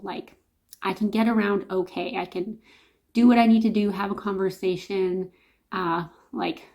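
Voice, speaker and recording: A woman's voice: mid-range voice, warm tone. Casual, chatty Canadian woman vlogger. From Canada, immigrated from Slovakia at five. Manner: chatty, informal, conversational. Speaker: vlogger, host. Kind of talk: casual storytime vlog, talking to camera.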